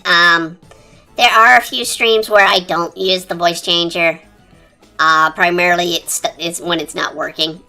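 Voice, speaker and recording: A streamer talking through a high-pitched chipmunk voice changer in rambling, casual chat while drawing. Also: rough recording. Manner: rambling, chatty, lots of fillers. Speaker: art streamer. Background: quiet cafe-style background music.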